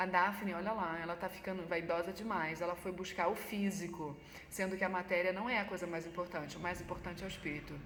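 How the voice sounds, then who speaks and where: Animated in tone, a woman talks at a fairly quick pace and a fairly low pitch. Audible room echo surrounds her voice. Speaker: spiritual teacher. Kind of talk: vlog monologue.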